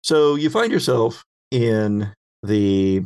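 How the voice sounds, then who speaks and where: A man's voice: lowish voice, expressive, takes it slowly, a little mellow, clear, resonant tone, no echo, studio quality. A man narrating a tabletop roleplaying game as game master, describing scenes in a wry, conversational way.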